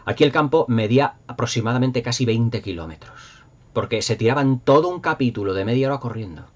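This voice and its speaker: An expressive, mid-range male voice moves fairly quickly. He's a middle-aged YouTube host with a Spanish accent from Spain, chatting casually and nostalgically to viewers in an enthusiastic, rambling, emphatic way, recorded with dull lo-fi sound.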